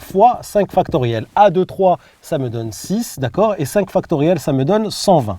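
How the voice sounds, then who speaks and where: Male math tutor, animated delivery, dry close sound, repeats himself while explaining. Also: fairly high pitch, dry recording. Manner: repetitive, checks understanding with "d'accord?". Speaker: math teacher. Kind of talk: online math lesson, explaining step by step.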